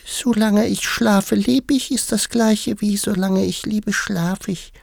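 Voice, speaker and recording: A man voicing a tiny dormouse that talks in its sleep in a high, drowsy voice. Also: steady tone, slow pace, gravelly, dry recording, clean studio sound, full character voice. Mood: sleepy. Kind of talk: audiobook character voice.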